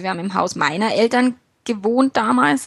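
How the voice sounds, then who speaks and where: Speaking at a moderate pace, a woman has a fairly high pitch and an unremarkable speaking voice. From Bavaria, Germany. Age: 40s. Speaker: love coach and speaker. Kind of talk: interview.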